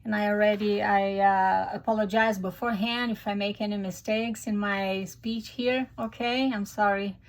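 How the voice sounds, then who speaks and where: Speaking English with a Brazilian Portuguese accent, this middle-aged Brazilian woman addresses her YouTube camera earnestly, though she restarts hesitantly at times. Her mid-range voice is fairly even at a moderate pace, with few pauses.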